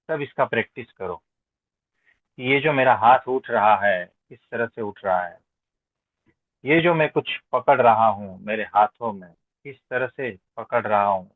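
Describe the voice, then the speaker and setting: In a thin, phone-like recording with roomy echo, a medium-pitched man speaks as a spiritual teacher. His informal question-and-answer discourse is didactic, full of emphatic repetition and rhetorical questions.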